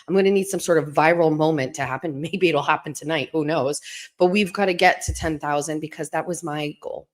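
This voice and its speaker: Deep-voiced woman hosting a stream from home, keeping it quiet, chatty and all over the place. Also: a little fast. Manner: talking low and hushed to keep from waking someone; chatty and rambling, full of asides and restarts. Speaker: live stream host. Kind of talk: casual rambling live stream chat.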